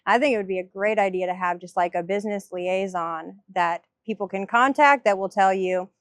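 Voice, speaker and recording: A woman's voice: medium pitch, brisk, smooth, no room sound. A woman business owner talks in a practical, easygoing way. She describes herself as analytical, and her voice sits dry and close to the mic. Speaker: downtown business owner guest. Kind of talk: casual interview chat.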